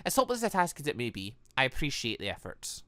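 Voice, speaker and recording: Visual novel villainess put on by a game commentator: low, haughty, teasing, seductive, dry close sound. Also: wildly swooping pitch, fairly bright tone, no room sound. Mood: smug. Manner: haughty, slow-burning, teasing.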